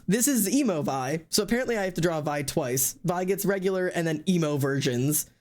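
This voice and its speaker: An excitable streamer and artist chatting casually on a live stream. The talk rambles, full of restarts and offhand swearing, at an ordinary middle pitch. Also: a little fast. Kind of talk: casual chat.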